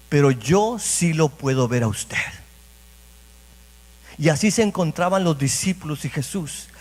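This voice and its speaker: A pastor with a slightly high, somewhat dark voice preaches a sermon, repeating phrases and addressing the congregation directly. It was recorded in a church sanctuary, and the hall's reverb carries through.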